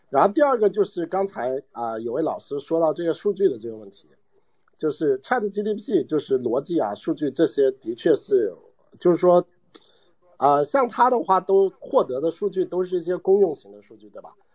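Speaking at a moderate pace, a man with a high voice shows big swings in loudness and very wide pitch swings. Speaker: blockchain developer. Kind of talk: panel discussion. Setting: online audio space.

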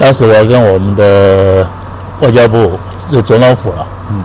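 Music plays in the background as a man speaks at a moderate pace with a fairly low pitch. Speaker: association chairman. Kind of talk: interview.

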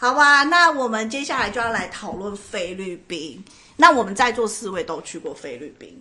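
Amid noticeable background noise, a woman with a fairly high pitch talks at a moderate pace, with very wide pitch swings and big swings in loudness. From Taiwan, Hakka background. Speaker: podcast co-host. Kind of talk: casual chat.

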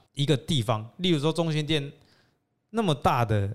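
Over a silent background in a very clean recording, a man talks at a moderate pace with very wide pitch swings. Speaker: podcast co-host. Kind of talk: casual chat about investing news.

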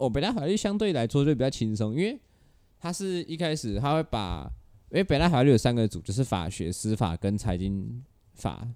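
With a dark, mellow tone, a man speaks at a fairly quick pace and medium pitch, making very wide pitch swings. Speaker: university applicant student. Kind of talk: casual chat.

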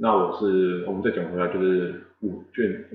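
A man speaks in a very deep, low voice at a moderate pace. Audible room echo surrounds him. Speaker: podcast co-host. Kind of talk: casual chat.

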